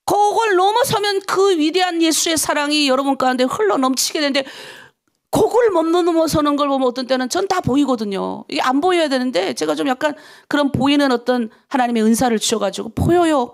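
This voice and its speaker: A middle-aged woman pastor delivers a dawn prayer sermon in a high-pitched voice. Her voice carries a gravelly, fry-laden edge. She preaches emphatically, mixing rhetorical questions with stories from her own life. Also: lively intonation, a little fast.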